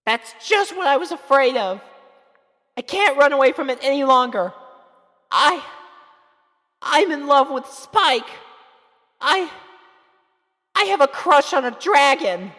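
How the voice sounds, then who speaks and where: A woman's voice: high-pitched, animated, slow, long pauses, a bit bright, long reverb tail, voice pushed up, exaggerated voice. A woman voicing a nervous young girl pony with a crush, stammering and gushing in a storybook reading. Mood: anxious confession. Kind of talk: storybook character voice in a fan fiction reading.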